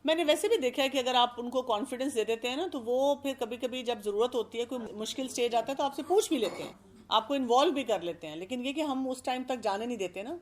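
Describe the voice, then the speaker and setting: A woman speaking as an expert guest, explaining calmly and working through everyday examples. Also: a little high, slight background noise. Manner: calm, explanatory, gives examples. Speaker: expert guest giving parenting advice. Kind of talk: advice talk.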